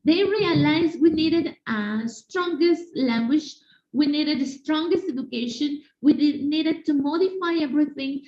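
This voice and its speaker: A woman teacher from Mexico with a Mexican Spanish accent, giving an animated online conference talk and speaking directly to her audience. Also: high-pitched, a little slow. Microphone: video call. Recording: echoey room, dull lo-fi sound.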